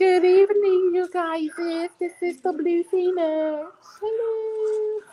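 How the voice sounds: A female-sounding put-on character voice speaks at an extremely high pitch and a fairly slow pace.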